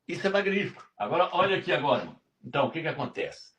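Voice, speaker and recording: A man's voice: on the high side, big pitch swings, racing, a bit bright, lo-fi sound. A man leads a live-stream Bible lesson in a slightly raised voice. He talks emphatically and repeats himself, pointing things out and checking again and again that his listeners follow. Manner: emphatic, repetitive, keeps asking "tá vendo?". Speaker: religious teacher.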